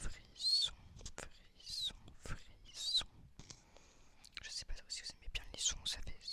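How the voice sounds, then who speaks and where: The voice is a whisper, unfolding very slowly. Long silences break it up frequently. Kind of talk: ASMR trigger words. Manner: slow, repetitive.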